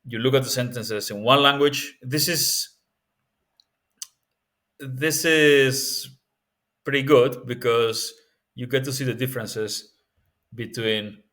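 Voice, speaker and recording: A man with a Spanish accent walks through a language tip in an easygoing, off-the-cuff way. He often pauses on fillers and checks in with "yeah?" and "right?". His voice sits at a middle pitch for a man. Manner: relaxed and thinking aloud, with frequent fillers and tag questions. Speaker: language-learning video host. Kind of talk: casual spoken tutorial.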